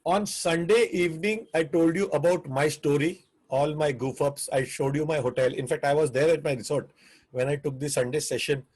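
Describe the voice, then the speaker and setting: A man with an Indian English accent leads a live online coaching session on running a food business. His voice sits a little high, and he talks earnestly but loosely, breaking off and restarting sentences as he goes. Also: fairly even intonation, normal speed, darkish tone, breathy edge, poor audio. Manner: earnest, rambling with frequent restarts and fillers.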